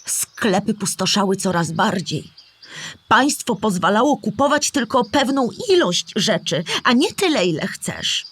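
A storyteller explaining history, bit husky, medium pitch, measured and clear about things. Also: female voice, sing-song. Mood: explanatory. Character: knowledgeable animal storyteller explaining history to a friend. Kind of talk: scripted educational narration.

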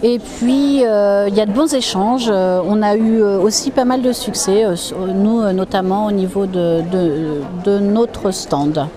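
A woman hypnotherapist explaining her practice in an interview, calm and explanatory. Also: mid-range voice, unhurried, hardly any pauses, music in the background. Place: busy exhibition hall. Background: crowd chatter.

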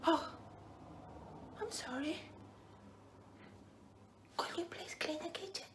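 A middle-aged woman playing a vain, demanding telenovela diva in a comedy monologue, theatrical, shrill and overwrought. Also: takes it slowly, in a whisper. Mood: hysterical pleading. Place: indoor room, plain wall.

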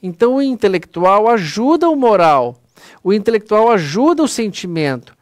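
A man with a Brazilian Portuguese accent lectures online on spiritism in an earnest, conversational way, repeatedly saying "pessoal" to his listeners. His voice sits high and has a sing-song lilt at a moderate pace, captured dry with clean studio sound.

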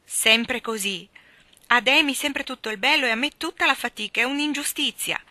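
A woman's voice: on the low side, moderate pace, pushed and bright, no echo, exaggerated voice. Woman voicing a fiery, headstrong teenage girl. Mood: upset. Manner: passionate, exclamatory.

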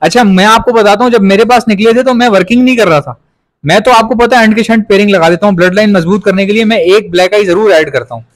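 Man, Pakistani Urdu accent, pet breeder vlogger, chatty and repetitive, high-pitched, dry sound. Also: fast, no echo. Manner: chatty, repeats points for emphasis. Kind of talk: casual explanatory vlog.

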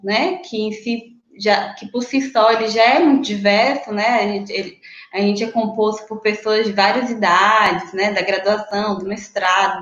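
A young Brazilian graduate researcher with a mid-range, slightly bright voice speaks casually on a university panel over video call. Thoughtful but halting, she uses lots of fillers and restarts. She's in a small room at home, and the laptop webcam gives echoey, dull, lo-fi audio.

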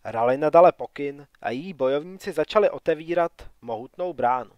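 Calm male audiobook narrator, dry sound. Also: fairly high pitch, no room sound. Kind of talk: scripted narration.

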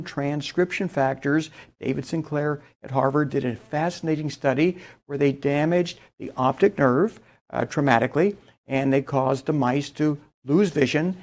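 A man delivers a keynote lecture with an eager, explanatory manner. His voice sits a little high and has a gravelly edge throughout. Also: darkish tone. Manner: enthusiastic, explanatory presenter. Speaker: keynote speaker. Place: indoors, in front of a slide backdrop.

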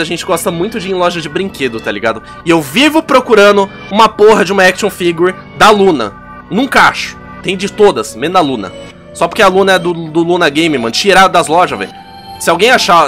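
A young man with a Brazilian Portuguese accent giving excitable, profane let's play commentary, yelling at the game as he plays. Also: a little high. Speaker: gaming YouTuber.

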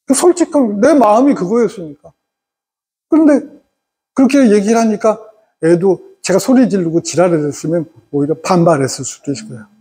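A middle-aged man lecturing parents in an animated way and having the audience repeat phrases after him. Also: high-pitched, brisk, husky.

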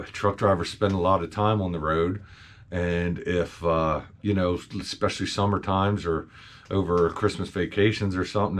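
Low-voiced man rambling to his webcam. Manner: rambling, many fillers and restarts. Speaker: trucking channel host. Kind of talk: casual commentary to camera. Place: small home office with shelves of model trucks.

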